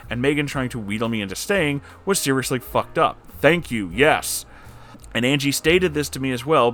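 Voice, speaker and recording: A host with a medium-pitched, fairly bright voice reads listener-submitted stories and reacts to them. His commentary is candid and casual, delivered emphatically and bluntly with profane asides.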